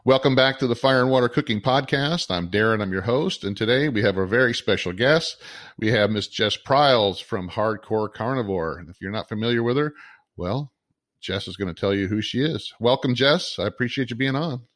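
A man's voice: medium pitch, fairly quick, fairly bright tone. A man hosting a cooking podcast, greeting and questioning his guest in a friendly, plainspoken way. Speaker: podcast host.

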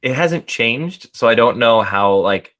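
A man's voice: mid-range voice, expressive, measured pace, fairly bright tone. A man talking as a guest in an interview about building a brand, explaining earnestly at length. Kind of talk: casual interview answers.

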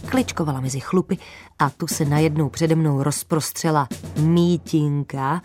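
A woman's voice: sits low, soft background music. Woman telling a kids' story. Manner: lively, expressive storytelling. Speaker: narrator. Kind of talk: first-person children's story narration.

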